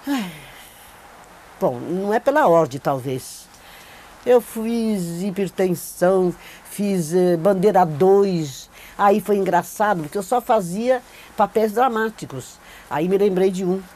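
A veteran Brazilian actress gives her testimony in a studio oral-history interview, taking her time with a mellow, expressive, medium-pitched voice. She recounts her career with animation and emphatic repetition while seated before a plain backdrop, recorded through a lapel mic.

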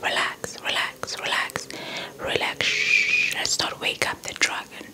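A young woman with a South African accent narrates a folktale as ASMR, entirely in a whisper. Her delivery is slow and breathy, close to the mic, with words softly repeated. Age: young adult. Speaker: ASMR storyteller. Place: indoors, in front of a dark cloth backdrop. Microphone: small handheld lavalier mic with windscreen, held close.

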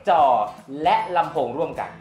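A man hosting a casual phone comparison in a phone shop, chatty and animated as he hypes results. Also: moderate pace. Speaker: tech review host. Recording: echoey room with faint music.

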